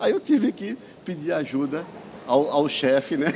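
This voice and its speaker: Fairly quick male speech against noticeable background noise. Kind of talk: interview. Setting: on location at an event. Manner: halting, with repetitions.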